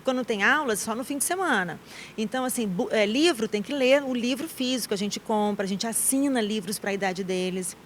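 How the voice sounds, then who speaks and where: A Brazilian woman in her thirties speaks as a guest in a studio interview, firm and outspoken with strong emphasis. Her voice sits a touch high, and a faint hiss of noise runs underneath. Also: a little fast.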